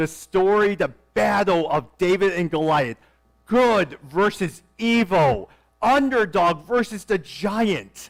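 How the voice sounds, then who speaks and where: This man has a high pitch and lively intonation. He talks at a very slow pace, with very even loudness. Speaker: preacher and ministry leader. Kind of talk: sermon. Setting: church service with audience, livestreamed.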